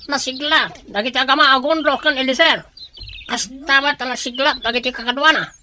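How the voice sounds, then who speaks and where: A man's voice: very high voice, fairly even intonation, fairly quick, bright, forceful tone, exaggerated voice. A man with a Filipino accent acting a loyal, eager young tribal warrior in an audio drama. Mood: urgent shouting. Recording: voice over background music.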